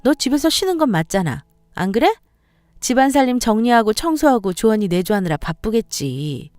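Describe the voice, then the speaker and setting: A scornful, bossy sister-in-law , put on by a woman narrator, who needles and belittles with a raised, sharp voice. Her delivery swings widely in pitch and sits dry and close, with faint music underneath. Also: sing-song, moderate pace, dry recording. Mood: mocking. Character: sharp-tongued, sneering sister-in-law, a mother.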